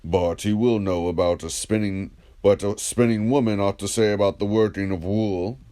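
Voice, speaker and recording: A man reading the part of a patient, ironic, probing philosopher in a dramatised dialogue, in a measured, declamatory, questioning manner. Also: lowish voice, steady tone, warm tone, natural voice.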